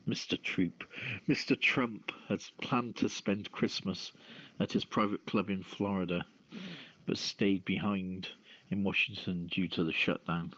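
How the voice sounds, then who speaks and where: A man hosting a radio call-in show, reading news and opening discussion in a halting delivery with stumbles. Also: sits low, fairly even intonation, fairly bright tone. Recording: roomy, dull lo-fi radio-style audio.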